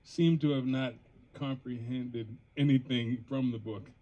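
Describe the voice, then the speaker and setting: A man's voice: medium pitch, fairly even intonation, unhurried, dark tone, lo-fi sound. A man on a casual live hangout, making dry, understated remarks. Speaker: band member on a live hangout. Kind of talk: casual livestream chat.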